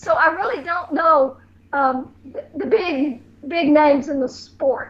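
This woman talks very slowly, her high pitch showing ordinary pitch variation. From Alabama, USA. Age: 70s. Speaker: jiu-jitsu blue belt. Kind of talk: interview answer. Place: home room. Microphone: video call.

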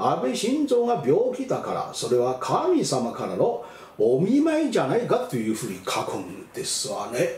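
A man with a Chinese accent speaks at a moderate pace, with audible room echo. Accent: Chinese-accented Japanese. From China, Sichuan. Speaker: political commentator. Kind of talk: news commentary monologue. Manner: frequent fillers, conversational. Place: home room. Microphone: webcam.

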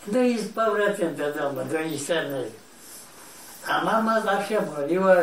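Audible room echo surrounds this man's voice. He speaks at a fairly slow pace. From Cieszyn Silesia, Poland/Czech border (Zaolzie). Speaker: elderly churchgoer telling his life story. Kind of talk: testimony. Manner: halting. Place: home room. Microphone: handheld.

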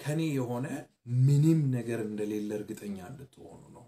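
A man's dark, mellow tone comes out somewhat breathy, with pitch that varies in an ordinary way. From Ethiopia. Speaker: pastor. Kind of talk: sermon.

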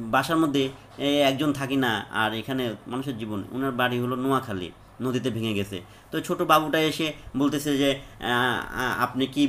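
Here a man speaks with ordinary pitch variation. Light background noise can be heard. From Bangladesh. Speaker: vlogger. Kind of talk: casual vlog narration; casual vlog chat. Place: street. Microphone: phone near.

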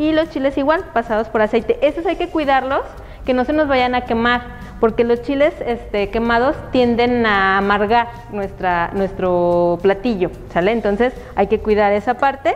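Music behind a medium-paced delivery with lively intonation. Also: woman, high pitch for a woman. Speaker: cooking instructor. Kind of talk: tutorial. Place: kitchen.

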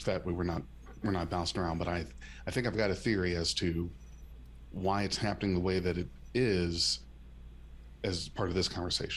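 Over light background noise, a man with a very deep, low voice and vocal fry talks at a fairly quick pace. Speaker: podcast co-host. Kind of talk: casual chat. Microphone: video call.

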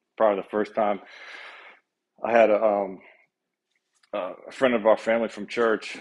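With an American accent, a man talks at a moderate pace. His fairly low voice is monotone and flat. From US South (South Florida). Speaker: swordfish fisherman. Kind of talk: casual chat. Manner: halting. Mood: fond, nostalgic storytelling. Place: home room. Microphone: video call.

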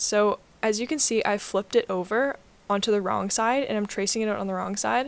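Keeping fairly even intonation, a woman talks at a moderate pace. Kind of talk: tutorial. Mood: relaxed, laughing lightly.

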